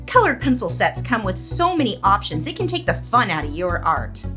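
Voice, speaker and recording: A woman playing an over-excited, cheesy infomercial announcer, with exaggerated salesy delivery and drawn-out emphasis. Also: medium pitch, faint music behind. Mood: dramatic, concerned. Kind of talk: parody infomercial pitch.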